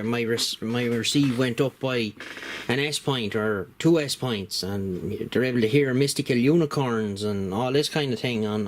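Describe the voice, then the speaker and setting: A middle-aged man casually talking through a radio repair at his workbench, rambling and plain-spoken with many ums and you-knows. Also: medium pitch. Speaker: radio hobbyist channel host. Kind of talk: casual hands-on demonstration.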